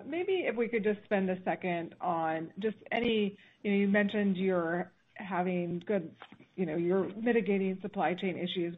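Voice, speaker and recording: A woman analyst with a fairly low voice asks questions on an earnings call, often restarting and rewording them. The phone connection is narrow, with faint noise. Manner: scattered, self-correcting questions. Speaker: financial analyst.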